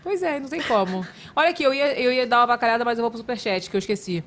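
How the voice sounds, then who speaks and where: A woman's voice: a little high, racing. A woman hosting a podcast who asks teasing, playful questions in casual chat. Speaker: podcast host.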